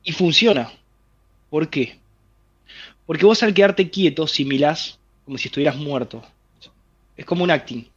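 A man whose voice leans high talks at a moderate pace with long pauses, in a muffled recording. With a Rioplatense Spanish accent, he gives an animated interview explanation of a health theory, speaking directly to the listener through vivid situations from everyday life.

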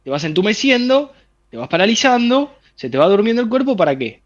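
Here a man with a Rioplatense Spanish accent talks briskly in a high, sing-song voice, captured with lo-fi sound. In an interview, he explains a health theory with lively energy, painting vivid everyday scenes aimed straight at the listener.

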